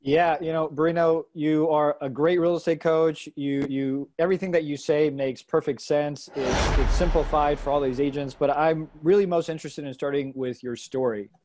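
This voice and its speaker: A man's voice: a little high, fairly even intonation, moderate pace, hardly any pauses, darkish tone. Eager man asking on a video call. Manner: eager, repeats words while framing a question. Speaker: co-interviewer. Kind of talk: interview question on a video call. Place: indoor room with plain wall.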